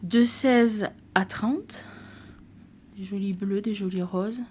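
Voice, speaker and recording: A woman's voice: mid-range voice, slow, a little mellow, slight background noise. A woman from France narrating an unboxing of cross-stitch kits in a casual, hesitant way, with many fillers and restarts. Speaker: craft vlogger.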